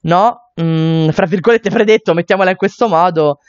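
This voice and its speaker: A woman's voice: fairly low pitch, moderate pace, muffled recording. Chatty woman narrating a life-sim game. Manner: chatty asides to viewers, many fillers. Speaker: let's play host. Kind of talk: game commentary.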